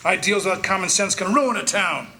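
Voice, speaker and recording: An actor playing a cold, pompous, miserly old businessman with a gravelly, imperious voice in a 1940s radio drama style. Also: high voice, a little fast, pushed and bright, a little hiss or hum, exaggerated voice. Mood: scornful. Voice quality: gravelly, creaky. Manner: imperious, clipped. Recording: live stage with crowd behind.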